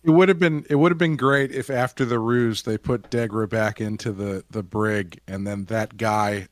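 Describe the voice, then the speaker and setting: A man co-hosting a podcast in casual chat, animated and jokey, slipping into quick character bits. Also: fairly low pitch. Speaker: podcast co-host.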